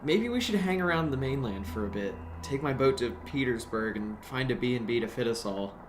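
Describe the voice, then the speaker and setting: A man's voice: mid-range voice, expressive, fairly quick, lightly acted. An actor playing an anxious, practical young man with an earnest, hesitant manner in an audio drama. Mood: cautious. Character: anxious, practical young adult urging friends to flee. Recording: clear background noise.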